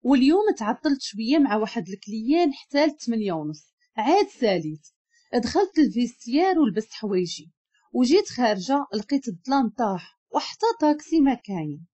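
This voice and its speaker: A woman with a Moroccan accent narrating a first-person story in an expressive, emotional way. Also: on the high side, a little fast, husky.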